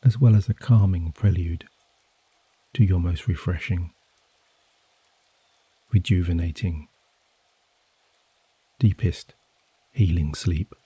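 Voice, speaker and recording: A soft-spoken man guiding a sleep hypnosis session in a hushed, soothing, measured way with gently drawn-out phrases. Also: low voice, slightly rough, no echo. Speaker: hypnosis and meditation guide. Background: gentle rain sounds.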